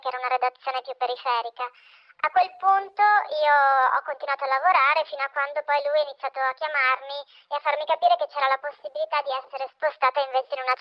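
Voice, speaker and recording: A freelance journalist, a woman, speaks on the phone through a pitch-shifted voice disguise, giving a calm, measured account with pauses. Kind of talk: phone interview on radio. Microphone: telephone. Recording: muffled phone line.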